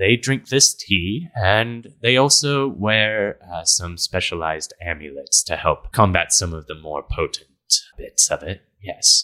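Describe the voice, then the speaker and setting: Using a put-on character voice, a man talks fairly slowly with hardly any pauses. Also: medium pitch for a man. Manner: hesitant, polite, fussy, lots of ums and uhs.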